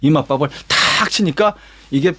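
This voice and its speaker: A man's voice: fairly high pitch, normal speed, pushed and bright, breathy edge. A male pastor telling a Bible story as a lesson, dramatic, with vivid sound words and rhetorical questions. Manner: acts out quoted lines himself.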